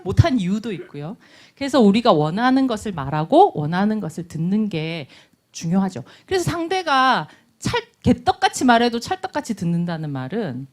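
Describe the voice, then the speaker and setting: A middle-aged woman gives a lecture on communication in a classroom, her pitch rising and falling with animation. She keeps slipping into short acted-out exchanges to make her points. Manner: lively, acts out everyday dialogues in little voices. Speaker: nonviolent communication instructor. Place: lecture room.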